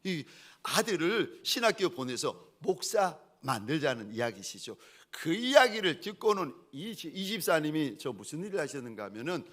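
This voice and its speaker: Lively, fairly high-voiced male pastor. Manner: animated storytelling, acting out the people he quotes. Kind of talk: sermon.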